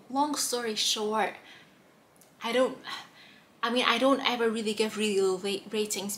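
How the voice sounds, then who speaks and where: A young woman with a slightly hoarse voice, chatting to camera as a book vlogger in a small room, rambling with lots of fillers. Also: medium pitch, fairly bright tone, a little hiss or hum. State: slightly hoarse, clearing throat. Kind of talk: casual chat to camera. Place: small room with bookshelves, indoors.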